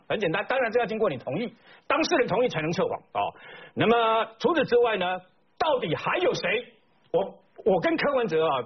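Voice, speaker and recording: High-pitched, fiery Taiwanese-accented male commentator. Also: breathy edge. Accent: Taiwanese Mandarin. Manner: indignant, rhetorical questions, emphatic repetition. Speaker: political commentator. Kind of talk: talk show commentary. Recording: slightly dull broadcast audio.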